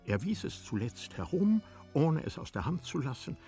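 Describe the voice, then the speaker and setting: A man narrating a literary radio drama in a measured, formal storytelling manner. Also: on the high side, very animated, dark tone, faint music behind.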